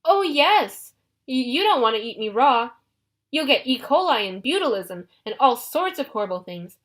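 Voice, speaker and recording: A woman voicing a nervous adolescent male satyr who stammers and talks in a high, fluttery way. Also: big pitch swings, measured pace, bright, forceful tone, exaggerated voice. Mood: panicked.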